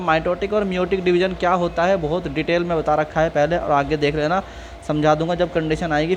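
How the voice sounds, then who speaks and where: A man with a high voice lectures on biology, switching between Hindi and English. He reads English lines slowly, then explains them and asks if the point is clear. Faint noise hums behind him. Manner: repeats points, often checks understanding. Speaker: biology teacher. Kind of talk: classroom lecture.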